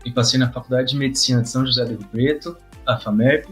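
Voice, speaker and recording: A man's voice: mid-range voice, fairly even intonation, fast, faint music behind. A young man from São Paulo state giving a brief self-introduction as an approved medical student. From São Paulo state, Brazil. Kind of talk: short testimonial.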